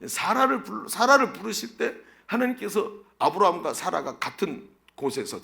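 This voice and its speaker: Animated gravelly male pastor preaching. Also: high voice. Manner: animated preaching, asks the congregation questions. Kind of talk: sermon.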